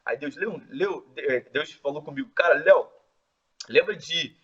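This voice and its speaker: A man casually telling his testimony in an excitable, slangy way, full of filler words. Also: on the high side, a little slow, breathy edge. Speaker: host sharing his testimony. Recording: distant, dull lo-fi mic.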